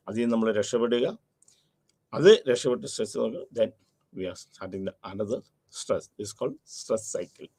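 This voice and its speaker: A man's voice: medium pitch, vocal fry, a little mellow, slightly rough. A man giving a recorded university psychology lecture, explaining step by step and repeating key terms, with English phrases mixed into his talk.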